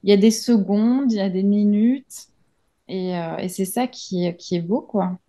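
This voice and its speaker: A woman's voice: mid-range voice, measured pace, mellow. A woman in her thirties giving a reflective interview as an author, thinking aloud with many hesitations and restarts. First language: French. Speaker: interview guest, journalist and author.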